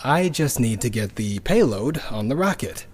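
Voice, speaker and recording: A man playing a grieving, weary rocket builder in a sci-fi audio drama, with a husky voice and a halting, subdued, confessional delivery. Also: mid-range voice, lively intonation, darkish tone. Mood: nervous, hopeful. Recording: long reverberant hall echo.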